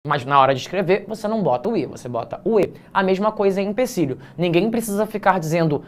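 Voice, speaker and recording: A man's voice: sits high, lively intonation, fast talker, slight background noise. Chatty male teacher explaining grammar. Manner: chatty, explanatory, addresses students informally; mixes slangy asides with grammar points. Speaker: teacher correcting an exam essay. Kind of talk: casual classroom lesson.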